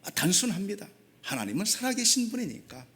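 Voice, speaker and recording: A man's voice: high-pitched, very animated, brisk, a bit bright. A man preaching an emphatic sermon, asking rhetorical questions and dropping short affirming asides. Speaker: pastor.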